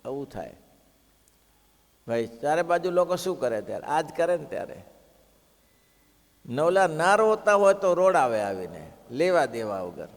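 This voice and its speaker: A man's voice: on the high side, a little slow, pauses often. A man giving a devotional sermon, telling stories expressively and asking the listeners rhetorical questions. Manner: expressive, rhetorical questions, acts out quoted villagers. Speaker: religious discourse speaker. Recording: long hall reverb.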